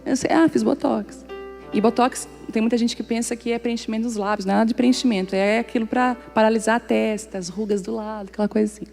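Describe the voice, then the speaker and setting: A woman's voice: a little high, quick pace, gravelly, hardly any pauses, soft background music. A woman pastor preaching to a congregation, telling humorous stories and acting out the dialogue. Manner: lively, humorous, acts out dialogue in anecdotes. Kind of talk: storytelling sermon. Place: church service before a congregation.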